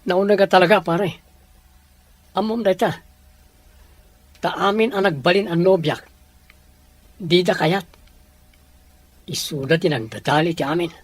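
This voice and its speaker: A man acting as a hurt, proud young man in an amateur audio drama, with a husky voice. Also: sits high, steady tone, a little slow, long pauses, no room sound. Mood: bitter, hurt.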